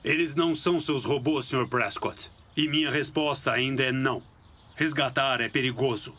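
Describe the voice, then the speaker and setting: A man voicing a stern, steady older police chief and father in a dubbed cartoon, firm and measured. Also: mid-range voice. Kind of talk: animated cartoon dub.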